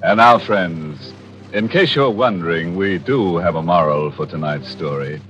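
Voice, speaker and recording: A man's voice: sits low, measured pace, over music. An American man playing a gleefully macabre, sardonic horror host in 1940s radio style, theatrical and fond of grim puns. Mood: macabre relish. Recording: dull vintage radio recording.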